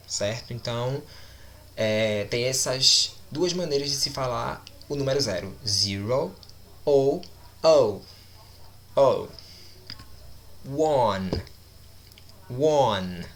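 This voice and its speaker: A man teaching English numbers, speaking deliberately and repeating each word several times for his students. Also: medium pitch, sharp tone, a little hiss or hum. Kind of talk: recorded language lesson.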